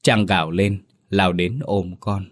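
Deep-voiced man narrating a mournful tale. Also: little pitch movement, takes it slowly. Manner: solemn, mournful storytelling. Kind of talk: scripted narration of a tragic ghost story.

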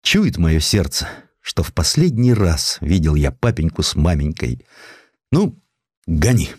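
Male narrator as a sentimental naval officer of the 1800s: deep, heartfelt, declamatory, with lively swings, storybook drama. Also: measured pace, husky, no echo, clean studio sound, full character voice. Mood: sorrowful.

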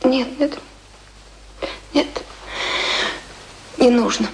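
A woman acting in a Russian radio play as a remorseful, lovestruck woman, imploring with drawn-out emotion. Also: high voice, gravelly, darkish tone, a little hiss or hum, full character voice, low-quality recording. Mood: desperate, fearful. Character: pleading, remorseful woman desperately in love.

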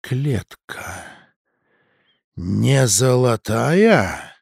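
A man's voice: mid-range voice, big pitch swings, extremely slow, gravelly, breathy edge, dry recording, clean studio sound, pitched below the performer's own voice, heavily acted. A man voicing a hot-tempered middle-aged innkeeper and father, blustering, in an audiobook. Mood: hushed hurt. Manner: blustering, swings from rage to hush.

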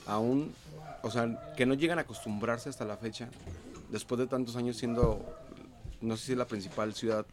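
A man's voice: medium pitch, fairly even intonation, moderate pace. A man in a casual group conversation, reflective and sharing anecdotes.

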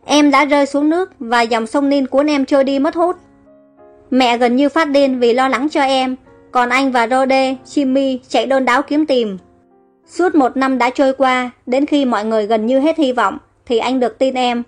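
An earnest, protective young elder brother in a storybook, voiced by a high-pitched woman narrator, reassuring and steady. Faint music runs underneath. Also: normal speed, close to an everyday voice.

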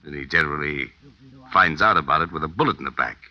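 A man's voice: a bass voice, fast talker. An actor playing a menacing middle-aged gangster in an old radio crime drama, talking in slangy, taunting tough-guy style. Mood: cold, explaining. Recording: muffled, dull old radio recording.

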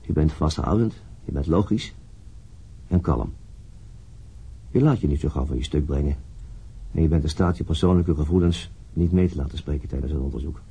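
An actor playing a brooding, dogged police detective in a radio drama, weary and musing in a halting, husky voice. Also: male voice, very deep voice, warm tone, full character voice, rough recording. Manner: halting, musing, muttering to himself. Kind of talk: radio drama acting with introspective monologue.

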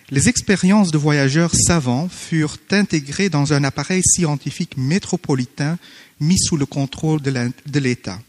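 A man who is not a native French speaker, formally reading a conference paper with hesitant pauses and self-corrections. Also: a little high, a little mellow, big-room sound. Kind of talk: academic conference paper read aloud. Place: conference hall.

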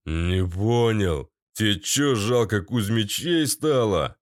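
A man's voice: fairly low pitch, animated, slow pace. A man doing a dim hulking henchman. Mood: coarse. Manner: coarse slangy drawl. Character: hulking dim male henchman, coarse and mocking.

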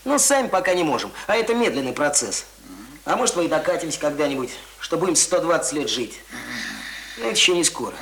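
An actor in a radio play playing an earnest, argumentative young village student who lectures insistently and colloquially. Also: male voice, a little high, big pitch swings, quick pace, fairly bright tone. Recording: roomy, echoing radio drama recording.

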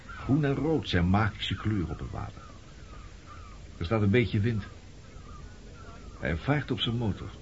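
A dull, noisy old radio drama recording of a sardonic man. His voice sits fairly low as he probes and needles with cool provocation. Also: lively intonation, measured pace, pauses often. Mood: musing. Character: sardonic, probing man returned from the past. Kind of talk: Dutch radio play acting.

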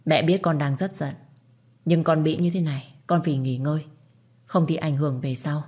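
Lady playing a bossy old matriarch, barks orders, short temper, low voice. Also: steady tone, normal speed, darkish tone, lightly acted. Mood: soothing. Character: stern elderly matriarch, commanding and quick-tempered.

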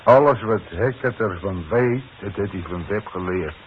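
A man's voice: on the low side, unhurried, lightly acted. Man acting a sly, bossy foreman, muffled sound. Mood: smug, amused. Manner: needling, smug, insistent. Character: sly, bossy demolition foreman, needling and scheming. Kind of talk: 1960s Dutch radio play acting. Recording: muffled, hissy 1960s radio recording.

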